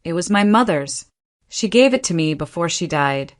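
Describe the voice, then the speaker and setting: A woman's voice: lowish voice, expressive, moderate pace, close to an everyday voice. A woman doing a frightened young caregiver. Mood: stunned. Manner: quiet, whispered lines. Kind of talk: dramatized storybook quotes.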